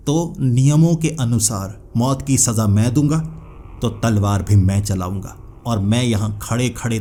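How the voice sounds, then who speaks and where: Male narrator playing an angry ancient king: commanding, menacing, dark tone, leans low and loud. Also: a little hiss or hum.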